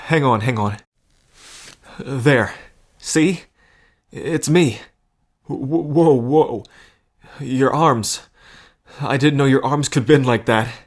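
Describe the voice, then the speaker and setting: Slow-talking concerned guy played by a man. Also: medium pitch. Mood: reassuring, startled. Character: concerned loyal male friend, casual, protective. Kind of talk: audio drama acting.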